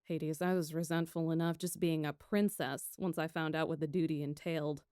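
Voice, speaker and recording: Woman as young princess engineer, spirited, wry, expressive first-person storytelling, close dry sound. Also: deep voice, a little fast, clear, resonant tone, no room sound, natural voice. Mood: wry, reflective. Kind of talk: first-person scripted narration, fan audio fiction.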